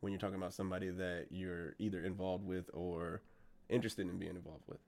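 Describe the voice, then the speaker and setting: A man's voice: low-pitched, flat delivery, fast talker, a little mellow. A young man moderating a casual chat, steering it with probing follow-up questions. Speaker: podcast host, moderator.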